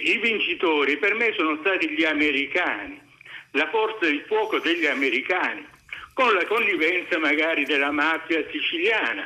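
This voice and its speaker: A man's voice sits high, with ordinary pitch variation. He speaks at a moderate pace. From Pisa, Italy. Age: 70s. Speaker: caller. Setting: phone call.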